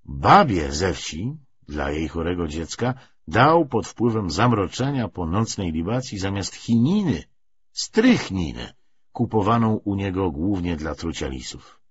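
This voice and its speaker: Male literary narrator, lowish register, animated intonation, measured dramatic delivery. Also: slightly rough. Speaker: audiobook narrator. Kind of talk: expressive literary audiobook narration. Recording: slightly dull, muffled recording.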